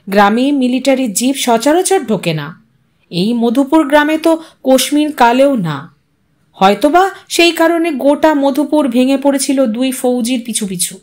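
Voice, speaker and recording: A woman narrating a scripted literary audio story in an expressive, dramatic storytelling manner. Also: fairly high pitch.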